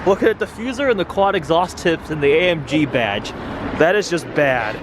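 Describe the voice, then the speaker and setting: Background noise is audible as a young American car vlogger narrates into a handheld camera mic, walking outdoors on city streets and in shops. He's chatty and points things out during his casual car-spotting vlog. His voice is a little high and animated, at a normal speed.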